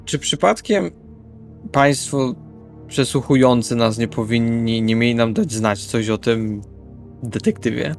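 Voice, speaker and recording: A man's voice: medium pitch, measured pace, creaky. A man speaking in character in a tabletop roleplaying discussion, organising things in somewhat formal wording. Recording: music bed under the voice. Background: background music.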